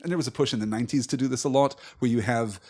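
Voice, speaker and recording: A man's voice: mid-range voice, rapid-fire, a little mellow. A man co-hosting a podcast, talking film with friends in an enthusiastic, articulate, analytical way. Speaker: podcast co-host. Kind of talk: animated film discussion among friends.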